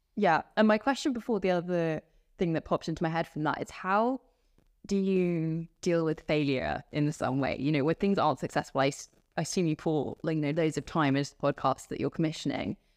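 A woman's fairly low pitch with ordinary pitch variation at a fairly quick pace, in a dry, close sound with no echo. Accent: British. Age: 20s. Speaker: student podcast host. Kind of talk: interview conversation.

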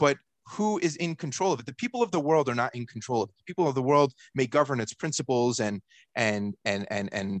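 A man with an American accent uses a normal speaking voice at medium pitch, his intonation lively. The sound is dry and close with no echo, and the background is quiet. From New Jersey. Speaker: podcast co-host, marketer. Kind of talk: casual chat.

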